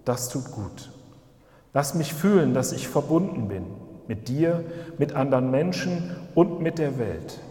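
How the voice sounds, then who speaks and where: Slow, reverent man praying in church. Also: mid-range voice. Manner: calm, measured, meditative phrasing. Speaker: pastor leading worship. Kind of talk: slow spoken prayer in a church service. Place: church hall. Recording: roomy hall with long reverb.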